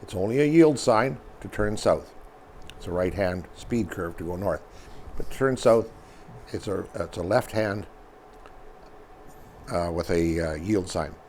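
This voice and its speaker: Low-voiced older man, voice going. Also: animated, a little slow, long pauses, a little mellow, slight background noise. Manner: folksy, talks step by step through everyday examples. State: losing his voice. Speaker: newspaper publisher co-hosting a news talk show. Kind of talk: casual conversational explanation.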